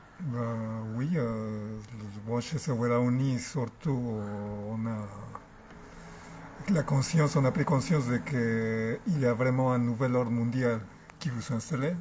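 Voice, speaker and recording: A man's medium-pitched voice in a strong Latin American accent, with ordinary pitch variation, a very slow pace, long, frequent pauses, audible room echo and noticeable background noise. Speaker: activist collective member. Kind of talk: interview. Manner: hesitant, many fillers.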